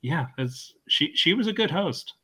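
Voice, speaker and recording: A man co-hosting a casual comedy podcast, relaxed and agreeable, laughing along. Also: a little high, measured pace, breathy edge. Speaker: podcast co-host.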